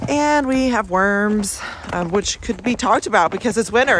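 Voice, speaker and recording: Amid noticeable background noise, a woman talks at a fairly quick pace with ordinary pitch variation in a dry sound with no echo. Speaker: homesteader vlogger. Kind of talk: casual vlog chat. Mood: cheerful and upbeat. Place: farm machine. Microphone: phone near.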